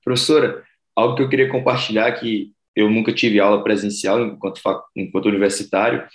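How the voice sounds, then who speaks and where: A man's voice: fairly low pitch, flat delivery, brisk. A male university student talking chattily over a video call, sharing his experiences in a class discussion. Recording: roomy echo.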